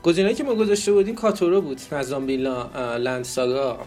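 A man's voice: mid-range voice, steady tone, darkish tone, faint music behind. A man co-hosting a podcast, announcing poll results in casual chat, joking and asking playful questions. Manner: joking, laughs often, asks rhetorical questions. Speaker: podcast co-host.

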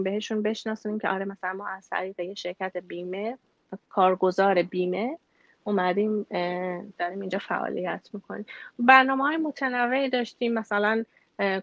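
A woman from Iran with an Iranian accent, answering interview questions conversationally in a halting way, mixing in English loanwords. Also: mid-range voice, no room sound, muffled recording. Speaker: interview guest, bank employee.

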